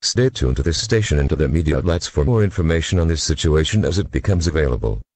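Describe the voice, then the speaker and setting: A man's voice: rumbling low, animated, quick pace, darkish tone, slightly rough, no room sound. A man reading a formal, impersonal scripted emergency bulletin as an alert announcer.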